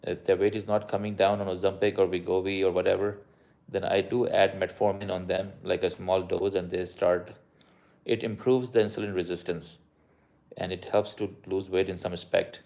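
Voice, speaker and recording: A man's voice: deep voice, little pitch movement, normal speed, darkish tone. A man with a South Asian accent, a doctor chatting casually on a live stream, switching between Urdu-Hindi and English mid-sentence. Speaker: doctor answering live viewer questions.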